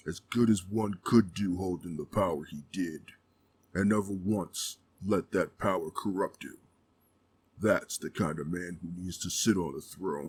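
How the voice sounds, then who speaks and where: In a very clean recording with a silent background, a man puts on a character voice. It sits very deep and low, delivered at a moderate pace. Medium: machinima. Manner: gruff, grave.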